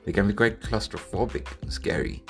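A man's voice: on the low side, brisk. A young adult man from Kenya giving an earnest, scripted introduction to his podcast as its host. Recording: music bed under the voice.

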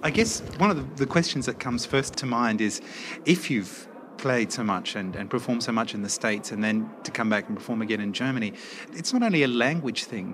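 A man's voice: mid-range voice, a bit bright, a little hiss or hum. A man interviewing a guest, asking long, carefully built questions. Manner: thoughtful, builds up long questions.

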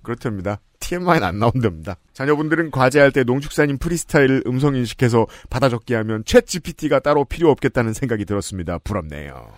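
A man's voice: mid-range voice, lively intonation, fast talker, few pauses, no room sound. A man hosting a podcast, reading listener letters aloud with playful, teasing asides, close on a studio mic. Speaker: podcast host.

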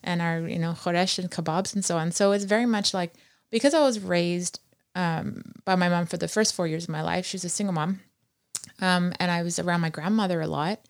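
A woman's voice: fairly low pitch, a little fast, dry recording. Reflective woman, dry close sound. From Iran. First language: Farsi. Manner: reflective, with frequent ums and you-knows. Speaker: guest. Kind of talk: casual conversation.

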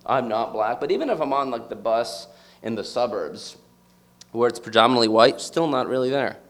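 A man's voice: mid-range voice, lively intonation, normal speed, fairly bright tone. A man in his thirties from the United States, giving a personal, reflective talk to a live audience and searching for his words as he goes. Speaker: speaker addressing an audience.

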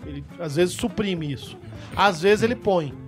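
A man's voice: sits high, moderate pace, soft background music. A man, co-hosting a casual podcast and telling joking stories. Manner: joking, storytelling, drops into a whisper for quoted asides. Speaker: podcast co-host. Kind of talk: casual chat.

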